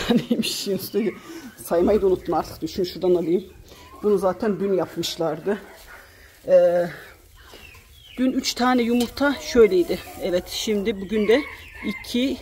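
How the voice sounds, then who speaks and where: A woman's voice: mid-range voice, moderate pace, a little mellow, slight background noise. A woman vlogger and chicken keeper, chatting casually to her hens and her viewers outdoors in a garden, exclamatory and affectionate. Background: hens clucking nearby.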